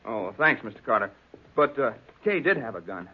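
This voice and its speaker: An actor playing a big, defensive murder suspect who speaks earnestly and insistently in a 1940s radio crime drama. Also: male voice, mid-range voice, big pitch swings, moderate pace, slight background noise, lightly acted. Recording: muffled 1940s radio recording.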